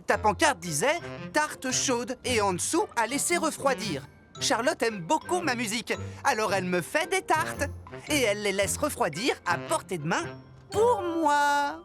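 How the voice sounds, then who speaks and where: Casting: sweet, guileless young cartoon boy. Slightly high, expressive, earnest. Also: measured pace, soft background music, exaggerated voice. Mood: innocent. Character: naive, easygoing young boy street musician, sweet-natured. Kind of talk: animated children's series dub.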